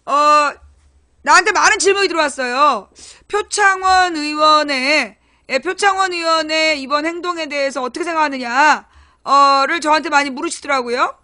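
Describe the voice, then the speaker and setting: A woman's voice: high voice, sharp tone. A middle-aged woman hosting a casual political livestream, talking animatedly with many fillers and acting out quoted lines.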